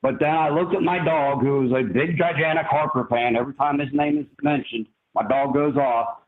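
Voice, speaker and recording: A man's voice: mid-range voice, fairly even intonation, normal speed. A man calling in to a live show, heard over a phone line, talking in a rambling, candid way with fillers. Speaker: caller to a live fan show. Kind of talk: casual call-in chat.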